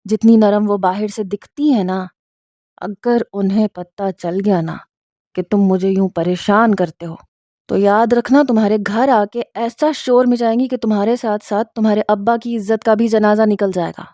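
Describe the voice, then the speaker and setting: A woman reading the lines of an angry young office worker, with scolding, sharp retorts. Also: mid-range voice, fairly even intonation, no echo, studio quality, natural voice.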